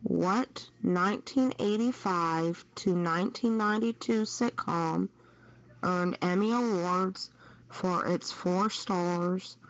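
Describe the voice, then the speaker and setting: Slow-paced woman hosting trivia, muffled sound. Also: lowish voice. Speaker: trivia quiz host. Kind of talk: reading out quiz questions, unscripted hosting. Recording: muffled lo-fi CB-style radio chat.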